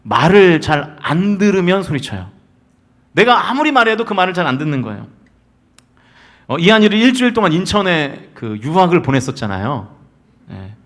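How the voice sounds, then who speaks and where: High-voiced pastor preaching with fervor. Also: male voice, sing-song, moderate pace. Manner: swings from emphatic loud calls to soft storytelling. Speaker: senior pastor. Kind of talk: Sunday sermon. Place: church sanctuary.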